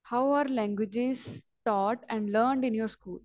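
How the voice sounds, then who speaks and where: A woman's voice: fairly high pitch, slow, a little mellow, dry recording. A woman acting as examiner in a mock speaking test, asking brief, formal questions over a video call.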